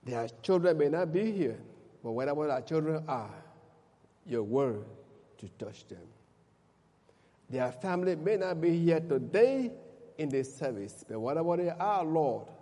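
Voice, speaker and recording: A man from Liberia with a Liberian accent, a pastor praying and giving his testimony, speaking slowly and deliberately. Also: a little high, sing-song, mellow. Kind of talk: prayer and testimony sermon. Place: church service. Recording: echoey church hall.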